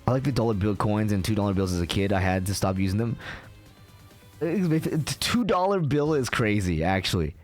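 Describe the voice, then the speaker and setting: Ranting young Canadian streamer. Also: male voice, lowish voice, expressive, normal speed, darkish tone, soft background music. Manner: ranting, casual, swears often, many fillers. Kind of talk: casual live-stream chat.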